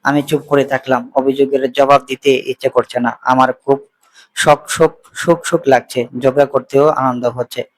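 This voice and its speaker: A man's voice: medium pitch, normal speed, dry recording, poor audio. Man reading a story aloud, dry sound. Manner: calm, plain reading with self-corrections. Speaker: story reader. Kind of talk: first-person story narration.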